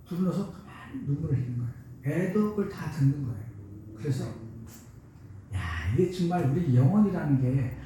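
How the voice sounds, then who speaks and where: A man in his seventies preaching a sermon as pastor, telling homely stories and rising suddenly to loud emphasis. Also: on the high side. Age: 70s. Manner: folksy storytelling with sudden loud rises. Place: church sanctuary. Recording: echoey church hall, mic far off.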